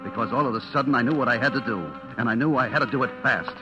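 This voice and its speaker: A male actor plays a nervous everyman caught in an old radio thriller. He speaks at a middle pitch in a clipped, confessional way. Music plays clearly behind him on the aged recording. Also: rapid-fire, lo-fi sound, lightly acted. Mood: tense, confessional. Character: nervous, cornered noir everyman telling his own story. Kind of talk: old-time radio suspense acting and narration.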